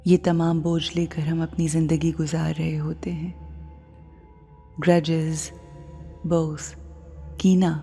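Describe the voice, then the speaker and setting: A woman with a South Asian accent leads a guided meditation in a hushed, soothing, breathy voice, leaving long pauses. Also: sits low, level tone. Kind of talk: slow guided meditation narration. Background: faint music.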